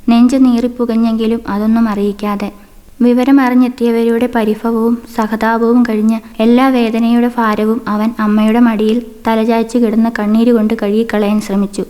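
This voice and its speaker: A woman's voice: on the high side, dark tone. A woman reading a literary short story as scripted narration for radio.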